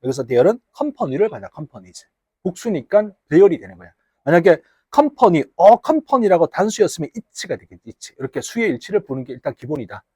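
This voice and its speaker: A man from Korea's Gyeongsang region teaches an English class in a casual lecture, joking, teasing and bantering with his students. His husky, slightly high voice is warm and sing-song, with wide pitch swings and a fast delivery. Recorded on a wearable classroom mic, the sound is dry and close with no room sound.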